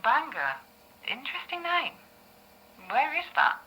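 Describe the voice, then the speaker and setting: An actress playing a calm, patient therapist who gently coaxes her client to talk. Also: sits high, unhurried, exaggerated voice, rough recording. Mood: gentle. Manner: gentle, encouraging, coaxing. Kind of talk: audio drama acting.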